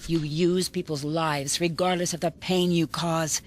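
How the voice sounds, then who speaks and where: Very low-voiced stern woman. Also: steady tone, unhurried, slight background noise. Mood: reproachful, grave. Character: stern, protective housekeeper woman loyal to the family. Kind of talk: dramatic video game cutscene acting. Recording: music behind the voice.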